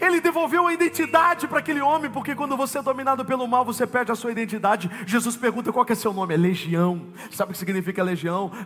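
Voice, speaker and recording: With noticeable background noise behind him, a man talks very fast in an extremely high, animated voice, swinging his pitch very widely and hardly pausing. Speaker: pastor. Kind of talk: sermon. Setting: church.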